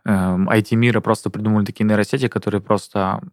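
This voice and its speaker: Young guy podcast host, kinda low voice, curious and chill, dry close mic. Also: little pitch movement, quick pace, no room sound. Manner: inquisitive, easygoing, agreeable. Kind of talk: casual chat.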